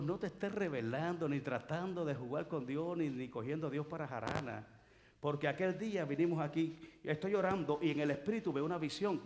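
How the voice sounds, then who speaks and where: Man, pastor, sermon, animated storytelling, fairly high voice. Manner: animated storytelling preacher, acts out dialogue. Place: church sanctuary.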